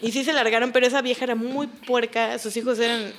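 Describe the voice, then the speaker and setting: A Mexican woman tells a story in casual chat at a rapid clip, her voice sitting a little high. She is animated and slangy, and she slips into the voices of the people she quotes. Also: slight background noise. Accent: Mexican Spanish. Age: adult, mother of a son.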